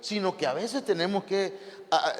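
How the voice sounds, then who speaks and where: Speaking at a normal pace with a Mexican accent, a man delivers a sermon in a fairly high voice and keeps it lively by directing questions at his listeners. The church hall gives his voice a long, ringing reverb tail.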